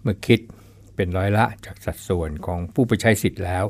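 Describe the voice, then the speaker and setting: A man hosts an informational radio program in a low, grounded voice. He speaks in a measured, courteous manner and steadily reads out numbers and percentages. The delivery is scripted and even. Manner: measured, polite, reads out statistics. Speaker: radio host.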